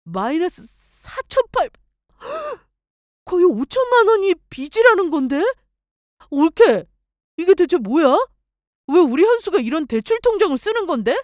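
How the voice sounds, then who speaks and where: A woman doing a sharp, accusing sister-in-law. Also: sits high, huge pitch swings, slow pace, pauses often, no room sound, studio quality, pitched above the performer's own voice, full character voice. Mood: indignant. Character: resentful divorced sister-in-law, adult woman.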